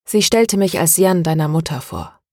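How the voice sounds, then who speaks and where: A woman voicing a calm, tired middle-aged man confessing his past, in an audiobook. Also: low-pitched, dry recording, studio quality. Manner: calm, even and measured.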